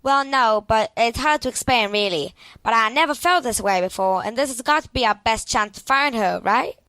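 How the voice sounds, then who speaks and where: A woman's voice: on the high side, normal speed, sharp tone, smooth, no room sound. A woman playing a patient, encouraging young twin sister in an audio drama, colloquial and easygoing. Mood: earnest, hopeful.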